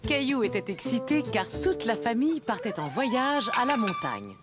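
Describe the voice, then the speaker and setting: A woman narrating a scripted children's story in an expressive storytelling manner. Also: a little high, moderate pace, over loud music.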